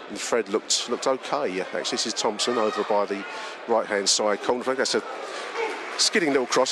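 A man, nasal from a cold, giving rambling, sardonic fan commentary on a match. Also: fairly low pitch. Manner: rambling, sardonic, frequent ums. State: nasal with a cold and sore throat. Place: outside a football stadium. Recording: noisy outdoor stadium recording. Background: stadium and street noise.

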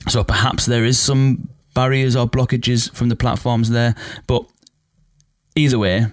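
Croaky man with a cold, podcasting. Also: mid-range voice, level tone, a little slow, dry recording, clean studio sound. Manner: conversational, thinking aloud with fillers and restarts. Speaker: podcast host. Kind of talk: solo podcast monologue.

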